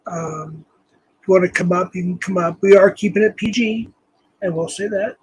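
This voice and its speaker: A man hosting a casual livestream, hoarse and losing his voice, rambling and reading the chat aloud. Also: high voice, normal speed, rough recording. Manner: rambling, reads chat aloud, frequent ums. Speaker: livestream host.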